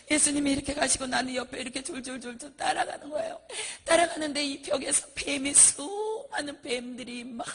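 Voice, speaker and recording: A woman's voice: high-pitched, creaky, slightly rough, long reverb tail. A woman giving a religious testimony, telling her vision in a vivid, emotional way. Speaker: church testimony speaker.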